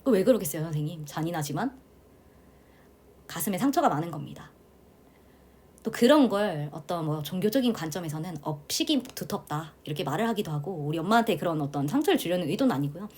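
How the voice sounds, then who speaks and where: A middle-aged woman from South Korea teaching a tarot class, talking in a chatty, animated way and often addressing her listeners directly. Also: fairly low pitch, fast talker, slightly rough. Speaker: tarot instructor. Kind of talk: lecture to students.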